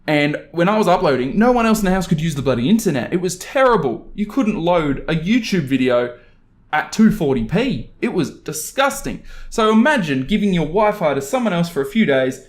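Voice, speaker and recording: Higher-pitched young man reading stories casually. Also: very animated, brisk. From Australia. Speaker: YouTube host reading Reddit stories. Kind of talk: story reading with casual commentary.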